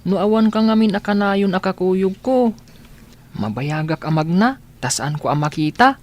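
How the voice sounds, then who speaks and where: A woman's voice: medium pitch, expressive, normal speed, a little mellow, lightly acted. A woman voicing an earnest blind schoolchild who asks wistful questions.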